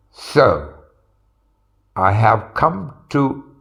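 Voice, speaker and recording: A man speaks with a Finnish accent. His voice has vocal fry. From Finland. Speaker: video blogger. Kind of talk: monologue addressed to one person. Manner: halting.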